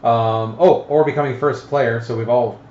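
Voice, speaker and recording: A man explaining board game rules to a group in a halting, casual way. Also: medium pitch, steady tone, darkish tone. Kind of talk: casual tabletop game chat with rules reading. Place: indoor room, group around a game table. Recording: roomy, dull lo-fi live stream with noise.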